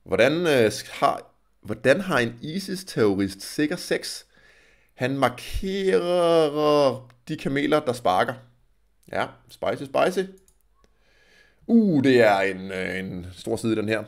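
Lively-voiced man reading off a page. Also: medium pitch, gravelly. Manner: stumbling reader, wry comments. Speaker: video creator. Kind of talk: reading jokes aloud with asides.

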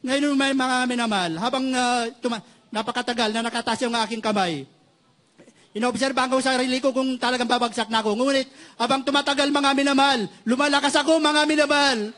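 A man with a strikingly high voice gives a church testimony in a halting way, restarting words and pausing to address his listeners fondly. He is middle-aged and from the Philippines. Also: fairly even intonation, a bit bright. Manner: halting, repeats "mga minamahal" constantly, many restarts. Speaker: church member giving testimony.

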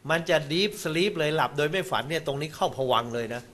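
A man's voice: fairly high pitch, expressive, fairly quick, fairly bright tone. Man giving an explanatory dharma talk. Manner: explanatory, mixes English terms and exclamations. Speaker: Buddhist dharma lecturer.

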